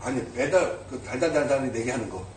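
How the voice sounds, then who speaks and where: A man's voice: mid-range voice, lively intonation, a little fast, slight background noise. A male pastor preaching a sermon, telling a story and acting out the voices of the people in it, sometimes asking the congregation questions. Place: church sanctuary. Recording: echoey church hall, mic at a distance.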